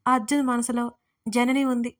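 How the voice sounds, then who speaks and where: A hurt young woman, tearful and jealous, pleading through sniffles, as a woman reads her part. She sits high in pitch and sounds close to crying throughout. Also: flat delivery, moderate pace, lightly acted.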